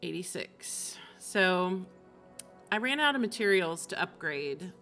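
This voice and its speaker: A woman's voice: on the low side, very animated, takes it slowly, fairly bright tone, soft background music. A woman game streamer chatting casually and expressively on a livestream, in an informal way. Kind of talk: casual livestream chat about games.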